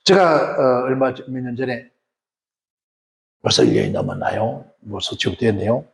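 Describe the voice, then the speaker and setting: Gravelly, animated male preacher. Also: mid-range voice, moderate pace. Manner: animated folksy storytelling. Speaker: pastor. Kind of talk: sermon.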